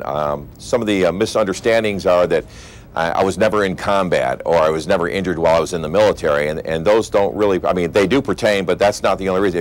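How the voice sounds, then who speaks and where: A man at a phone bank answering questions live, pausing on fillers. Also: sits low. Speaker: event organizer. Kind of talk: live interview.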